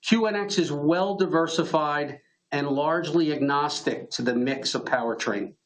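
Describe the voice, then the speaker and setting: A man giving a scripted earnings call presentation as a company executive, in a formal, measured business manner. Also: on the high side, poor audio.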